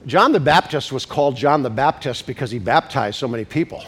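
A male pastor preaching a sermon, congested from a cold, who slows down to stress scripture and rises to emphatic preaching at climaxes. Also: mid-range voice, animated, a bit bright, slightly rough.

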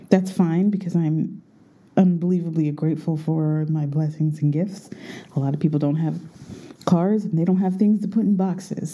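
A woman's voice: low-pitched, warm tone. A jet-lagged woman chatting casually and rambling to her viewers from her bedroom while recording under a blanket, which muffles her voice. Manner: chatty, rambling, self-correcting. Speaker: vlogger.

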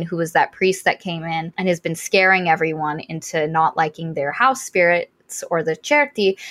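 A woman in a casual book club chat, retelling a novel's plot with animated asides and quick acted-out lines. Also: on the low side, no room sound. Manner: animated storytelling, acts out characters' lines.

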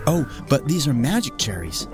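A man's voice: medium pitch, big pitch swings, moderate pace, over music, pitched above the performer's own voice, natural voice. A man voicing a kind, earnest, dreamy noble lady in a storybook tale, with a gracious manner. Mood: earnest pleading.

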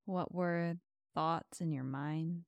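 A woman guiding a meditation softly and soothingly, giving gentle, slow, spacious instructions as a host. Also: low voice, steady tone, gravelly, no echo, highs cut off. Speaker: meditation podcast host and guide. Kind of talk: soft, soothing guided meditation.

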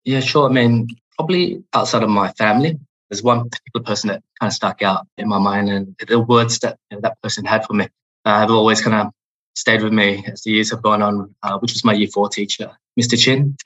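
A man in his thirties from Australia with an Australian accent, a podcast guest talking in a relaxed, reflective way with many fillers. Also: on the low side, fairly quick, muffled recording. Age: 30s. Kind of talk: interview podcast.

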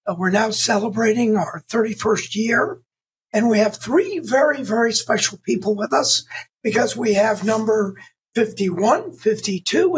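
A man's voice: high-pitched, poor audio. A man hosting a podcast, interviewing students in a casual, upbeat, encouraging way. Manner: upbeat, encouraging, short affirmations. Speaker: podcast host and institute founder.

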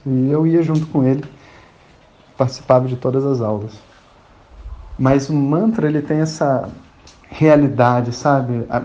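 A man's voice: medium pitch, mellow. A man from Rio de Janeiro, telling a personal story in a colloquial way and acting out the dialogue. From Rio de Janeiro, Brazil. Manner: colloquial, acts out quoted dialogue. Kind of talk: anecdotal storytelling talk. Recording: dull lo-fi recording.

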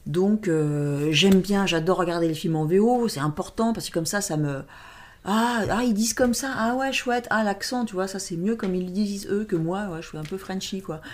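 A French woman talking casually as an interview guest, lively and emphatic, animating her stories. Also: medium pitch, normal speed, a little hiss or hum. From France. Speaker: guest, stage performer.

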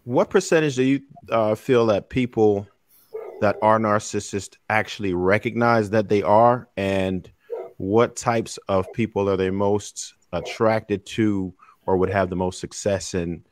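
A man on a talk panel who asks a guest a question in a soft-spoken, hesitant way. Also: on the low side, unhurried, no echo, clean studio sound. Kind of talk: casual discussion.

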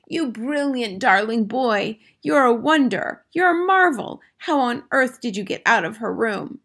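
A woman's voice: fairly high pitch, animated, normal speed, gravelly, sharp tone, voice pushed up, full character voice. A woman voicing a doting old grandmother in a storybook, breezy, polite and unflustered. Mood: relieved, adoring. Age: older.

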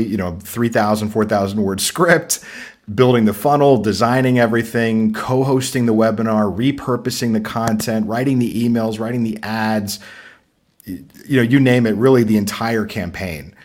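A man being interviewed as a guest on a podcast, talking casually and bluntly, with frequent laughs. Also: lowish voice. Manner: energetic and blunt, laughs easily. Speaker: podcast guest, marketing consultancy founder.

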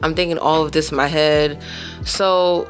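A woman in her thirties hosting a podcast, telling a personal story in a casual, animated way with emphatic asides to her listeners. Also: deep voice, normal speed, faint music behind. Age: 30s. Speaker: podcast host.

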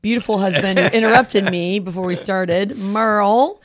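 Raspy-voiced woman radio co-host. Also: mid-range voice, moderate pace. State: recovering from lost voice. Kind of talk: casual radio chat.

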